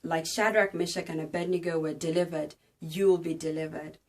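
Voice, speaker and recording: A woman's voice: low-pitched, steady tone, fairly quick, darkish tone. A woman giving an earnest devotional talk as a Christian encourager, exhorting with emphasis. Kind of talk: devotional talk and dramatic scripture narration.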